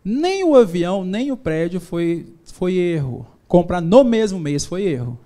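A man's voice: high-pitched, very animated, unhurried, dark tone. A man giving a live motivational talk to an audience, informal and joking, mixing faith, business stories and slang. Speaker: business speaker. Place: event stage before an audience.

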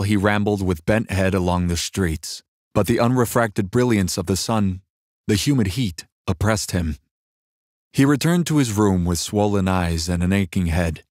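A man narrating a literary audiobook in a measured, dramatic storytelling manner. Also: deep voice, no room sound, studio quality. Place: studio voice reel recording.

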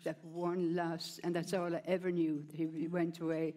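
A woman's voice: lowish voice, level tone, normal speed, dark tone. An older woman talking on a stage through a headset mic. She tells her story plainly and rambles a little, with lots of "you know" as she goes. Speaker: interview guest. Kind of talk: onstage conversation, personal story. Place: stage at a large gala, indoors.

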